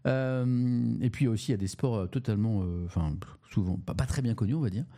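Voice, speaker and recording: Gravelly, dark-voiced man reviewing papers. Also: fairly low pitch. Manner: halting, with frequent restarts and repeated words; chatty, asks the audience questions. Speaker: Twitch streamer reviewing the morning papers. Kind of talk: casual live-stream press review.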